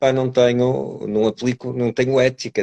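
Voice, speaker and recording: Recorded dry and close with no echo, a man speaks at a medium pitch in a dark, mellow tone. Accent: European Portuguese. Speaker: psychology professor. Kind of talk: interview conversation.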